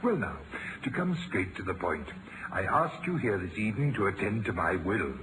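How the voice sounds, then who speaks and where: An actor playing a genial, unctuous elderly bachelor with courtly, effusive phrasing in a radio mystery. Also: male voice, lowish voice, animated, normal speed, lightly acted. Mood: genial, welcoming. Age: older. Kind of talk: 1940s-style radio acting. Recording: noisy vintage radio drama recording.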